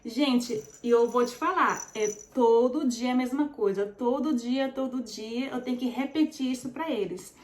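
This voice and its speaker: A vlogger, a Brazilian woman in her forties with a Brazilian Portuguese accent, chats with viewers about her story, using lots of fillers and the word "gente." Her slightly high, somewhat mellow voice moves at a measured pace with hardly any pauses, and the room is echoey.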